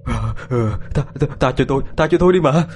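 A man voicing a terrified grown man who begs in a high, trembling voice. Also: moderate pace, darkish tone, faint music behind, lightly acted. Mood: pleading.

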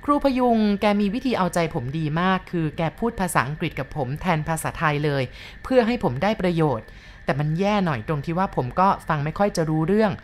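ผู้หญิงอ่านเรื่องเล่าบุรุษที่หนึ่ง เล่าเรียบๆ สม่ำเสมอ. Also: female voice, lowish voice, expressive, a little fast, a little hiss or hum. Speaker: storyteller. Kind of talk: reading a first-person story aloud.

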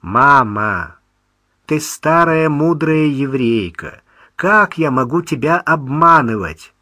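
A young son, read by a male narrator, reassures his mother on the phone with gentle irony. His voice is bright and unhurried. The recording is dry and close. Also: fairly high pitch, expressive, no echo, voice pushed up, exaggerated voice. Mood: ironic, soothing. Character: young man, wry, affectionate son.

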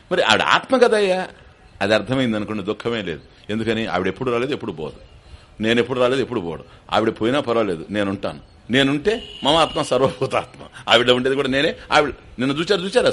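An older man gives a spiritual discourse, his pitch swinging widely from phrase to phrase. His tone is bright and forceful. He explains patiently and keeps checking with his listeners through questions. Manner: explanatory, asks the audience questions, mixes in English terms. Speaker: spiritual teacher. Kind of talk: Vedanta discourse to an audience.

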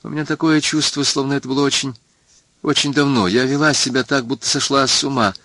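A man's voice: medium pitch, fairly even intonation, quick pace, bright, forceful tone, no echo, voice pushed up, natural voice. Man doing a frightened young woman, pleading, voice breaking, audiobook reading, dry close sound. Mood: quiet confiding. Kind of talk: audiobook character voice.

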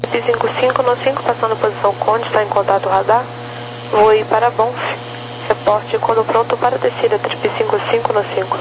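A woman's voice: fairly high pitch, steady tone, brisk. A woman giving procedural air traffic control instructions over the radio, reading numbers digit by digit. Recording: dull, noisy radio with hum.

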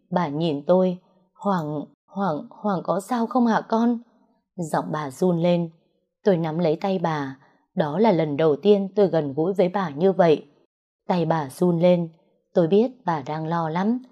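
A woman's voice: lowish voice, highs cut off. A woman narrating a dramatic story and reading every character's lines herself with small shifts in her voice.

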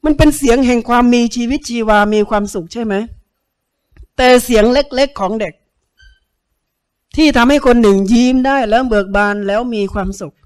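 A Buddhist monk giving a sermon, telling stories, acting out the people in them and putting questions to his listeners. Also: very high voice. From Thailand. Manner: storytelling, acts out quoted people, asks listeners questions.

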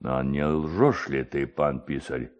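Casting: male reader as domineering middle-aged village boss, deep voice, ponderous commanding delivery, audio storybook. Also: lo-fi sound. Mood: gruff, suspicious. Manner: slow, weighty, imperious delivery.

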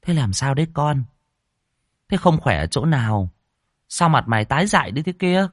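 A man voicing a fretful old village grandmother, in a high, quavering, pleading voice. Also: big pitch swings, normal speed, no room sound, studio quality, lightly acted. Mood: worried.

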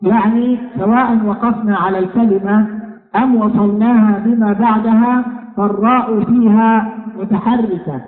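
A man with a high voice gives a lesson on recitation rules, speaking slowly and deliberately and demonstrating each example word. His voice comes through a narrow, phone-like channel. A long, roomy echo trails behind every phrase. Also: fairly even intonation. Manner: slow, deliberate explaining, repeating key phrases and demonstrating pronunciations. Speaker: Quran recitation teacher. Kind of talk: recorded tajweed lesson. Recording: echoey hall over a tinny phone-like line.

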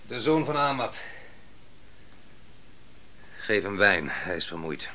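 An actor playing an imperious, impatient ancient army commander in a Dutch radio play, gruff, scornful and curt. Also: male voice, on the low side, sing-song, sharp tone, a little hiss or hum. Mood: gruff, commanding. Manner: commanding, curt, quick to bark orders.

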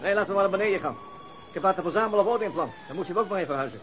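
A man's voice: sits high, lively intonation, rapid-fire, fairly bright tone, muffled recording, slight background noise. A man acting a concerned, level-headed police detective in a radio drama, earnest and practical in his delivery. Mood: practical, firm.

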